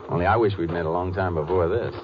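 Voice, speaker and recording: An actor playing a laconic, steady, tough undercover Texas Ranger in a 1950s radio western crime drama. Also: male voice, low-pitched, fast talker, slight background noise, natural voice. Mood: reserved, friendly. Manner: laconic, plain-spoken. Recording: muffled old radio broadcast, loud music behind.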